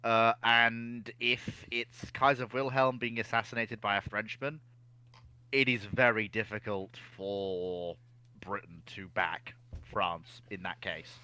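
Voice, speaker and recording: A man's voice: fairly low pitch, little pitch movement, takes it slowly, sharp tone, rough recording. A man on a discussion panel, talking history casually and building his argument step by step.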